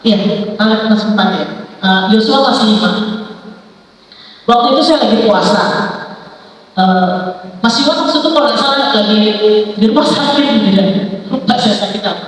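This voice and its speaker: A middle-aged woman with an Indonesian accent preaches in a church. Her high voice comes from some distance off the mic. It rings in a long, roomy reverb. She tells her stories in a loose, chatty way. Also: normal speed, pauses often. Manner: conversational, animated storytelling, quoting her children. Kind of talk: sermon with personal stories. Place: church sanctuary.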